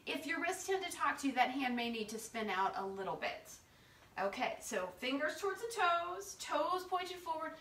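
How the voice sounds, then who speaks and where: Female yoga teacher, very bright tone, playful step-by-step cueing, picked up far from the mic at home. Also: sits high, sing-song, moderate pace, a little hiss or hum. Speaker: yoga instructor. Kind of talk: guided yoga class instruction. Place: living room at home, indoors. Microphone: far camera across the room. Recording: roomy home sound, distant camera mic.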